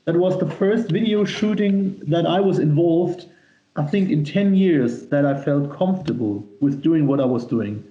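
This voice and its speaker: A man's voice: on the high side, moderate pace, warm tone. A man with a German accent, a native German speaker and singer, giving enthusiastic, emphatic answers in a casual interview and often repeating words. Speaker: musician, power metal singer being interviewed. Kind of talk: casual interview talk, telling anecdotes. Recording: roomy echo, dull lo-fi sound.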